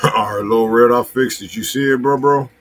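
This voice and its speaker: A man's voice: medium pitch, fairly even intonation, moderate pace. A man with an American accent co-hosting a music review stream in casual, slangy talk. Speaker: co-host of music review show. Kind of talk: casual livestream chat, slangy. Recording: loud background noise.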